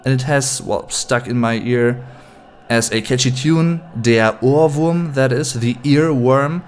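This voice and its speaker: A German-accented man in his late twenties talks casually to his viewers in English. His voice sits in an ordinary middle pitch. He chats along loosely, slipping German words in between. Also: slow, slight background noise. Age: late 20s. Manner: chatty, mixes in German words. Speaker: YouTube host. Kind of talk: casual chat to camera.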